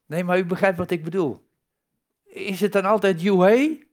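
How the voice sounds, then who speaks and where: A man's voice: high voice, normal speed, a little mellow. A man giving a sermon in a conversational way, asking the congregation rhetorical questions and stressing key words. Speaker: preacher.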